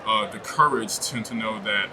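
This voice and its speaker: A man's voice: lowish voice, moderate pace. A man from the American South giving an earnest, reflective testimonial as an HIV community advocate at a conference. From Georgia, US South. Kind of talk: short testimonial interview. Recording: steady background noise.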